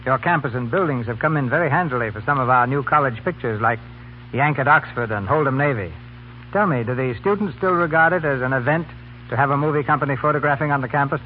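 A man's voice: mid-range voice, fast talker, phone-quality sound, slight background noise. A man hosting a 1930s radio broadcast in a formal, polished, scripted style. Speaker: host.

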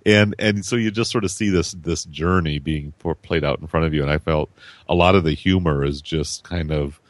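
A man in his fifties with a very low voice rambles through a casual film discussion. He keeps restarting and repeating words as he works toward his point. The sound is dry and close. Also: normal speed, no echo. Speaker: podcast guest.

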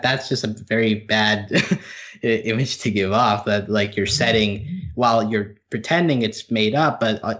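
A co-host with a mid-pitched voice talks through a film in casual podcast chat. The delivery halts, full of fillers and false starts, and the audio sounds dull and lo-fi. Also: a bit bright.

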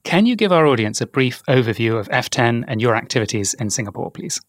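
Guy hosting a fintech podcast, measured and polished, mid voice, dry close mic. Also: mid-range voice, expressive, dry recording. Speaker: podcast host. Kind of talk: scripted intro then interview questions.

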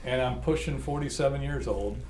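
A man's voice: mid-range voice, a little fast, a little mellow, slight background noise, low-quality recording. Rambling self-mocking man in his forties. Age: 40s. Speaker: podcast co-host. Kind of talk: casual business podcast chat.

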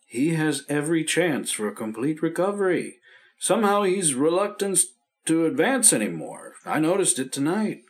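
A brisk, reassuring doctor. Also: male voice, a little high, sing-song. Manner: reassuring, matter-of-fact. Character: calm family doctor. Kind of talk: 1950s radio drama acting.

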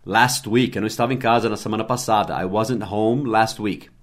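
Brazilian man teaching English slowly. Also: on the low side, steady tone. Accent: Brazilian Portuguese. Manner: spells words letter by letter and repeats pronunciations slowly. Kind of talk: podcast English lesson.

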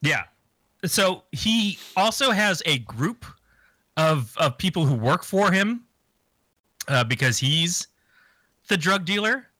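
A man's voice: high voice, animated, slow pace, long pauses, pushed and bright, dry recording. A man casually recapping a movie plot on a podcast, rambling and joking crudely. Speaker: podcast co-host. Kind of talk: casual movie review chat.

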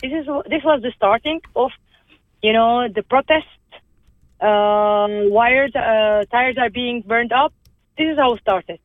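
On a dry phone recording, a woman with a slightly high voice is the guest in a conversational interview. Armenian is her first language and she is from Lebanon; her delivery is earnest, halting and full of restarts.

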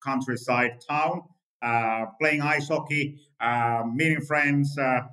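A middle-pitched man with a Finnish accent talks through his answers as an interview guest. He restarts often and leans on the same filler phrase while he searches for words, in English that is not his first language. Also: steady tone, pushed and bright, rough recording. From Finland. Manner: halting, full of restarts and the filler "let's say". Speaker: guest founder.

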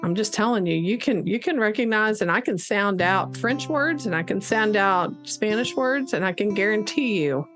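A woman's voice: mid-range voice, animated, normal speed, hardly any pauses, a bit bright, soft background music. A woman co-hosting a podcast in casual discussion, speaking hesitantly with many filler sounds. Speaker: podcast co-host.

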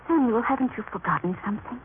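A woman's voice: a little high, lively intonation, fast, close to an everyday voice. Devoted, anxious wife, tender and pleading, female actor; vintage radio drama, narrow band, slight hiss. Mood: tender, concerned. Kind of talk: old-time radio drama acting. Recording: thin, noisy old radio recording.

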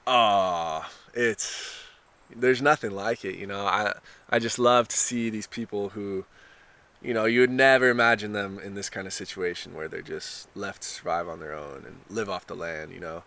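Laid-back young surfer guy, bright voice. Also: fairly low pitch, steady tone, normal speed. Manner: laid-back surfer talk, lots of "you know" and "like". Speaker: contestant being interviewed. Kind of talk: casual interview.

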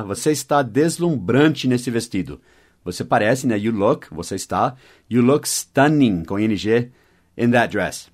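A man hosting a short podcast lesson, explaining English words, spelling them letter by letter and slowing down for the example sentences. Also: mid-range voice, darkish tone. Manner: explanatory, checks in with "tá?" and "ok?". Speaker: English teacher and podcast host.

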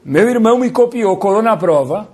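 A man's voice: high voice, expressive, moderate pace, darkish tone, pitched above the performer's own voice. A man voicing a sulking, aggrieved young man who complains indignantly about being passed over for his brother. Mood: aggrieved whining.

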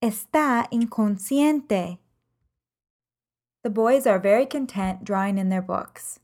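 A woman teaching a language lesson podcast, reading example sentences in measured, carefully enunciated phrases. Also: mid-range voice, a little mellow. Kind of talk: slow, clear podcast lesson.

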